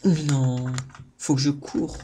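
A man narrates his own gameplay in a playful, theatrical way, often repeating words and yelping into high outbursts. He talks at an unhurried pace between the bursts. Faint keyboard typing sits behind his voice. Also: fairly even intonation, mellow, a little hiss or hum. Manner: playful theatrical exclaiming, addresses viewers. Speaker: gaming video host. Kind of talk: let's-play gameplay commentary.

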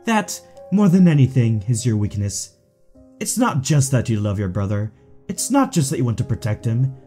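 Man playing a smug, mellow, swooping villain. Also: medium pitch, big pitch swings, normal speed, faint music behind, lightly acted. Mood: mocking, condescending. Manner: mocking, drawling, condescending. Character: smug, taunting aristocratic male villain, smooth and theatrical. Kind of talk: audio drama acting.

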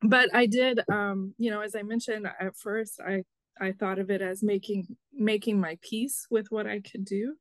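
A young woman, a lay Zen teacher on a video call, answering slowly and thoughtfully with a hoarse voice. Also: mid-range voice, steady tone, no echo. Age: young adult. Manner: slow, thoughtful, hesitant. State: hoarse, coughing.

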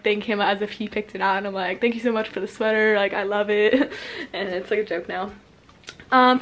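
A teenage girl of sixteen chats in a casual vlog, bubbly and full of "like" fillers. She talks in a rapid rush that leaves her out of breath, and her voice sits fairly high for a woman. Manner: bubbly, says like a lot; talks fast, runs out of breath. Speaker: vlogger. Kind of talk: casual chat.

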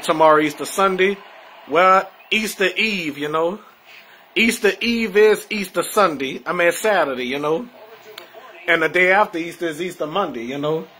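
A man's voice: fairly high pitch, slight background noise. Rambling man on a home livestream. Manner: rambling, repeats words, trails off softly. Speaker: livestream host. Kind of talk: casual livestream chat. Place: home, indoors.

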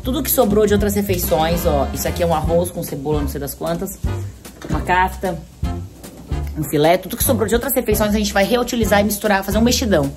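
A woman's voice: mid-range voice, quick pace, music in the background. A woman in her forties from Brazil, hosting a casual home vlog, talking to the camera while filming on a phone at arm's length in her apartment kitchen. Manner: chatty, talks to camera and to her toddler. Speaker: vlog host. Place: apartment kitchen and living room.

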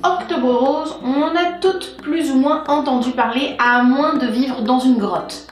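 A young woman hosts her vlog with a lively, bouncing delivery and playful asides, her voice sitting a little high. She talks in an echoey room with faint music underneath. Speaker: breastfeeding channel host. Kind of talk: informative vlog monologue.

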